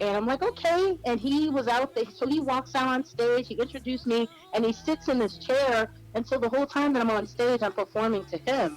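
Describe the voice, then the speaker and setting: Over music in the background, a woman speaks at a high pitch and a fairly quick pace, her loudness very even. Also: ordinary pitch variation. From Louisiana (Baton Rouge), raised in the Bay Area. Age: 30s. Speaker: R&B singer. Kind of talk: interview.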